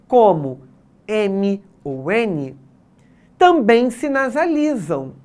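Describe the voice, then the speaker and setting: Lively Brazilian woman teaching a lesson. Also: fairly high pitch. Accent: Brazilian Portuguese. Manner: explanatory, addresses students directly with checks. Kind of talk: exam prep lesson.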